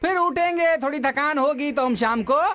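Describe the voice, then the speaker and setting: An actor playing a boastful, scheming, cheeky village uncle in comedy dialogue, talking in a bragging, colloquial way. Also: male voice, extremely high pitch, moderate pace, pushed and bright, soft background music.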